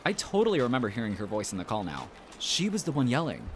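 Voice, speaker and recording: An easygoing male friend in a podcast drama. He is chatty and speculative, with lively swings in a mid-range voice. Faint ambient noise lies behind. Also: medium pitch, fast talker. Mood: indignant. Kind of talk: audio drama dialogue.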